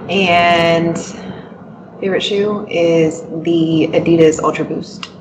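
A woman's voice: fairly low pitch, fairly even intonation, takes it slowly, lo-fi sound, background noise. A woman from Washington State, a guest on a casual podcast, talking cheerfully and laughing easily. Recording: echoey room.

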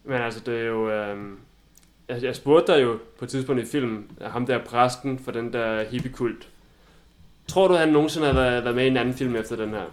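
A man co-hosting a casual film-review podcast, easygoing and often answering with short agreements. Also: medium pitch. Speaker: podcast co-host. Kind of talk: casual chat.

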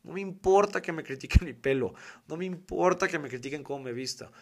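A man's voice: a little high, brisk. A man with a Mexican accent hosting a podcast, giving a casual monologue in an emphatic, slangy way and repeating his key points. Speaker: podcast host.

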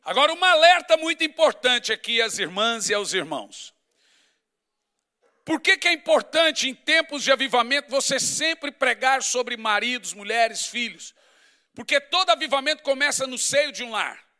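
A middle-aged man preaches a sermon in a very high, bright and forceful voice. He tells stories with humor and swings between loud bursts and hushed asides. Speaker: pastor.

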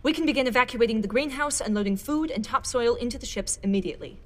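A woman playing a decisive director chairing a fleet council in a science fiction audio drama, brisk and commanding. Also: on the high side, lightly acted. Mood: resolute.

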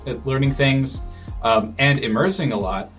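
A man's voice: medium pitch, normal speed, a bit bright, faint music behind. A man chatting casually in a conversation, thinking aloud with many restarts and fillers. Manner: thoughtful, with frequent restarts and fillers.

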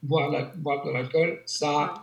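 In a room with noticeable echo, a man from Italy who teaches languages talks in French during an interview, his native tongue being Italian. He's hesitant, full of fillers and restarts, with a fairly high, steady voice, slow delivery, and vocal fry.

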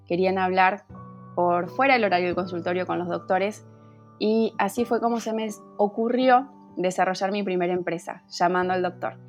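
An Argentine-accented woman from Santa Fe, a gynecologist and entrepreneur appearing as a guest, answers interview questions earnestly and at length, with small restarts. Her voice is lowish with fairly even intonation and a moderate pace, over soft background music.

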